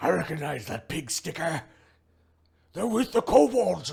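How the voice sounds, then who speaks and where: A man's put-on character voice, gruff and raspy, fairly high in pitch, with very wide pitch swings at a moderate pace. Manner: barking, suspicious.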